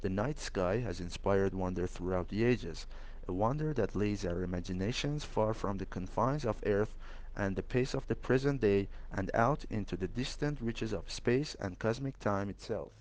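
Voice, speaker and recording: A man's voice: fairly low pitch, moderate pace, a little mellow, poor audio. A man reading scripted academic passages aloud with careful, formal delivery. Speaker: exam practice reader.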